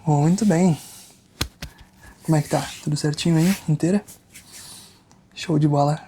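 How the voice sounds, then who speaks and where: A Brazilian man in a soft-spoken ASMR roleplay as a chiropractor, reassuring and hushed, guiding the listener step by step and sometimes slipping into a whisper. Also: a little high, steady tone, measured pace. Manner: reassuring, talks the listener through each step. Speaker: ASMR creator playing a chiropractor. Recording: close binaural recording with background noise.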